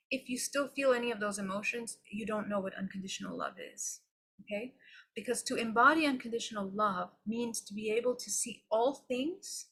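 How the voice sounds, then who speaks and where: A woman with a mid-range, slightly bright and somewhat rough voice gives an unscripted spiritual teaching on a live stream, and the audio quality is poor. She is earnest and reflective, often checking in with "okay?", and her delivery is loose with restarts.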